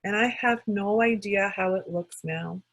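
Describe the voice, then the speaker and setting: A breathy woman at a middle pitch leads a guided tapping session. She speaks calmly and gives short phrases for her client to repeat. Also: a little slow, rough recording. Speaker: EFT practitioner leading a tapping session.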